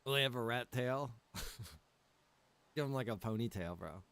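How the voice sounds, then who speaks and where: This streamer plays a survival roleplay game live, chatting casually, cracking relaxed jokes, and laughing a lot. His medium-pitched voice is expressive and fairly bright, and he keeps a measured pace.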